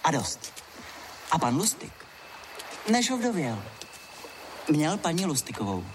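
A man's voice: on the high side, wildly swooping pitch. A man in an acted dialogue, answering in a plain, matter-of-fact manner. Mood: calm. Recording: noisy background ambience.

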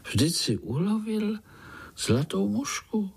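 A haughty little golden fly girl with a magical air, high, lilting and sure of herself, as a male storyteller puts her on. Her voice is a little husky and swings widely in pitch, and she speaks with calm self-assurance. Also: heavily acted. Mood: knowing. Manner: haughty, matter-of-fact.

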